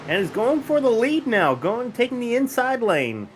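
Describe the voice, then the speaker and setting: A man doing casual play-by-play commentary for an online truck race, relaxed and correcting himself as he goes. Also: very high-pitched, normal speed, a little hiss or hum. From northern United States.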